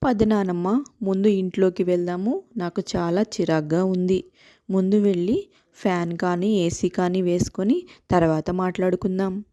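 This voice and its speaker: A fussy city boy voiced by a woman who complains in an animated children's story. The voice is rather low and dark, recorded dry. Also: normal speed, no room sound, natural voice. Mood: impatient.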